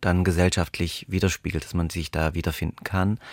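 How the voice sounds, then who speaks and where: The intonation stays fairly even, and the sound is dry and close with no echo on a very clean recording with a silent background. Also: man. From eastern Switzerland, St. Gallen. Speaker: choreographer. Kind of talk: radio interview.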